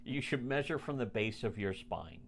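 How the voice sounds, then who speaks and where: A man's voice: mid-range voice, animated, moderate pace, crowd noise. A man co-hosting a podcast in crude casual banter, rambling and profane with frequent restarts. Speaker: podcast co-host.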